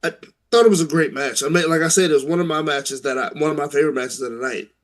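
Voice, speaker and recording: Halting, fairly high-voiced man talking wrestling. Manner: halting, repeats words and laughs often. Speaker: podcast co-host. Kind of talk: casual wrestling chat.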